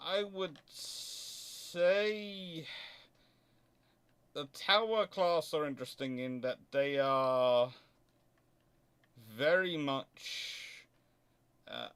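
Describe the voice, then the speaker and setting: A man with a clear, resonant voice at an average pitch answers questions in an unscripted, explanatory style. He thinks aloud as he goes, pausing and hesitating, then hurrying through the next phrase. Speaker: host answering viewer questions on naval history.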